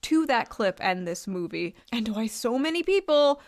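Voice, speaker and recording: A woman's voice: a little high, big pitch swings, moderate pace. A woman delivering scripted video commentary in an informal, wry manner.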